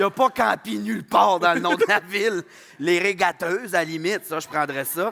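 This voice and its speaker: A man's high-pitched voice in a bright, sharp tone, with very wide pitch swings, a moderate pace, and a dry, close sound with no echo. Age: 20s. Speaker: drag queen and comedian. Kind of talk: casual talk-show interview. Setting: stage with live audience.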